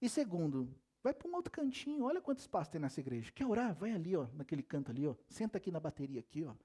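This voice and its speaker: A man's voice: a little high, sing-song, rapid-fire, warm tone, husky. A man preaching a sermon in a church, asking the congregation many questions and joking and laughing as he goes. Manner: talks straight to the congregation with many rhetorical questions; laughs and jokes while preaching. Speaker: pastor. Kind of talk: lively sermon.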